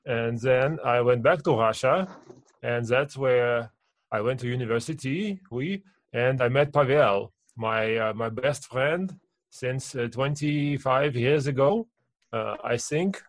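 A man in his forties from Kazakhstan with a heavy French accent, a podcast guest who talks haltingly with many restarts and fillers. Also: mid-range voice, dry recording. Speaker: podcast guest, business owner. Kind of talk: casual interview chat.

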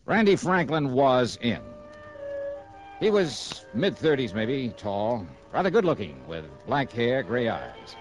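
An actor playing a wisecracking insurance investigator in a 1960s radio drama, talking in a dry, clipped way and narrating. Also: male voice, mid-range voice, sing-song, takes it slowly, faint music behind. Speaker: narrator and lead.

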